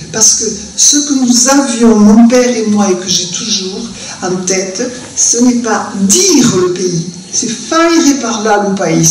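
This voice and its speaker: An older woman with a southern French accent and a medium-pitched voice speaks as a guest storyteller in a conversational talk at an indoor festival venue. Earnest and reflective, she circles back and restarts her thoughts often. A distant mic catches her in a very echoey room over a faint hum of room noise.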